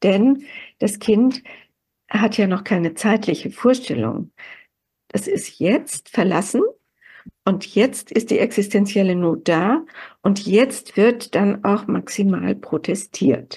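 Speaking very slowly with long, frequent pauses, a woman at medium pitch uses lively intonation, vocal fry, a dark, mellow tone and very even loudness. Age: 70s. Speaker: pediatrician and psychotherapist. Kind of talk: interview.

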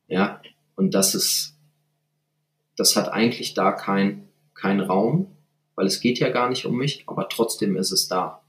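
Leaving long, frequent pauses, the man speaks at a very slow pace. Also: fairly low pitch for a man, ordinary pitch variation. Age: 30s. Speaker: couples and sex therapist. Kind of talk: interview conversation.

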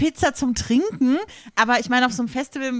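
Very fast and high-pitched, a woman talks with ordinary pitch variation. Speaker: festival stage announcer. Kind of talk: stage announcement. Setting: stage with audience at festival.

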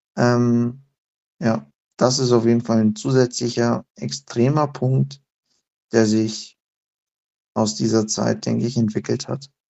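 A man's very slow delivery at medium pitch, with ordinary pitch variation and long, frequent pauses. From southern Germany. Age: 20s. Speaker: podcast guest. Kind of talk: interview answers.

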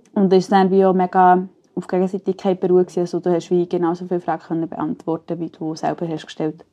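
Dry and close with no echo, a woman with a Swiss accent speaks in a dark, mellow tone with flat, monotone intonation. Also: fairly low pitch for a woman, fairly quick pace. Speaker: podcast host. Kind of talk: interview.

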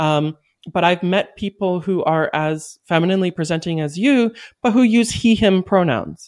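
A woman with a New England accent, medium in pitch, with ordinary pitch variation. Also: moderate pace. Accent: American, New England. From Massachusetts, US. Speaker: DEI expert. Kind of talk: interview.

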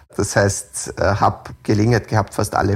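At a fairly slow pace, a man talks in a fairly low, somewhat breathy voice with monotone, flat intonation. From Austria. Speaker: trade delegate. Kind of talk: interview. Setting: video call.

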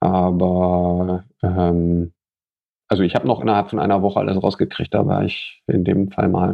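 A man's very deep, low voice, monotone and flat, at a moderate pace with very even loudness. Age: 40s. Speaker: investor and former start-up founder. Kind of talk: interview.

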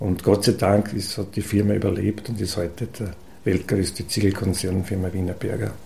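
A man with an unremarkable speaking voice talks at a fairly quick pace and fairly low pitch, his intonation fairly even. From Austria, Lower Austria countryside and Vienna. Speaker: environmental activist and foundation co-founder. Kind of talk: interview. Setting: office.

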